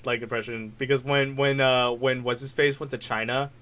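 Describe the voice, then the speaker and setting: A young man co-hosting a podcast, chatting excitedly with stammers and laughter. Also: medium pitch, normal speed. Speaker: podcast co-host. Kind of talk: casual chat with cartoon impressions.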